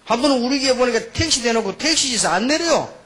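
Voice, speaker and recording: A middle-aged male preacher with a high, lively voice that rises and falls widely. There is a slight husky edge to his tone. He tells anecdotes, dropping into quiet asides and then pressing his point with emphatic bursts. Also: fast talker. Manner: animated storytelling, mixes quiet asides with emphatic outbursts. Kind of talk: sermon with anecdotes.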